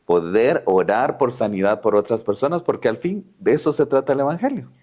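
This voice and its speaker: A man's voice: mid-range voice, expressive, brisk, a little mellow. A man co-hosting a Christian podcast, talking reflectively and hesitantly with frequent fillers.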